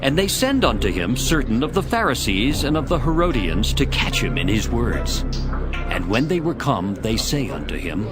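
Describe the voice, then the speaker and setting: A man's voice: medium pitch, sing-song, moderate pace. A man narrating scripture from a script in a dramatized audio reading. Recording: voice over prominent background music.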